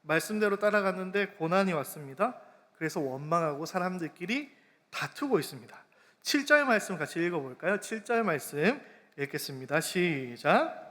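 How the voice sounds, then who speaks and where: Pastor, man, high voice, sermon with rhetorical questions, long church-hall reverb. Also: animated, normal speed, a bit bright. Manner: many rhetorical questions to the congregation. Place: church sanctuary.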